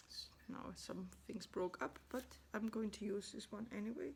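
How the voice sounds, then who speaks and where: Speaking at a fairly slow pace, the woman has a non-native accent. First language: not English. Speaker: makeup youtuber. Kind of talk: tutorial. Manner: halting, many filler words.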